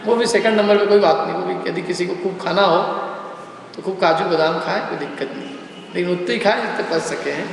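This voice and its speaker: A man giving a religious lecture to a class, explaining step by step and asking his listeners questions. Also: high-pitched. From India. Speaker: lecturer on scripture. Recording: echoey hall, faint background noise.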